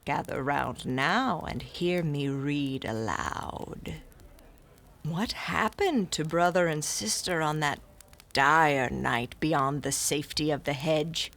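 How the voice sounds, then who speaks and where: An actress narrating and playing a stern, learned woman classicist, with measured, formal, often hushed storytelling. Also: low voice, gravelly. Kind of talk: audio drama narration.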